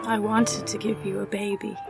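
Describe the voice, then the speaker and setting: A woman playing a frail, gravelly dying woman. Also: medium pitch, flat delivery, moderate pace, close to an everyday voice. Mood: wistful. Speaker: lead in a radio drama. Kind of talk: golden-age style radio play acting. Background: music score.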